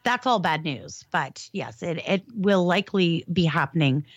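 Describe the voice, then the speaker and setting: A woman's voice: lowish voice, expressive, normal speed, no echo. A woman co-hosting a podcast over a video call, explaining things in a matter-of-fact way. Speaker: podcast co-host. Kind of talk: casual talk show discussion. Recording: slightly dull video call audio.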